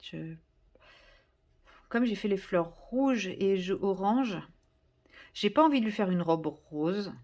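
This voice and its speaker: A woman's voice: medium pitch, expressive, slow, pauses often, a little mellow. A woman chatting casually to viewers while she colours, rambling and correcting herself as she goes. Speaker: vlogger.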